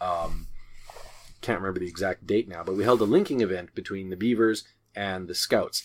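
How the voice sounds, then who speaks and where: A man with an ordinary speaking voice talks at a fairly quick pace and fairly low pitch. His intonation stays fairly even while his loudness swings widely. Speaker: podcast host and scout leader. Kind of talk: casual conversation.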